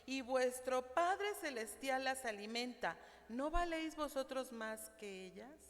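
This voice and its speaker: A woman's voice: high-pitched, a bit bright. A woman preaching at a women's church meeting, reading scripture aloud and asking her listeners questions. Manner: asks the audience questions, laughs. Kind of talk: sermon with Bible reading. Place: church hall. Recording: hall reverb.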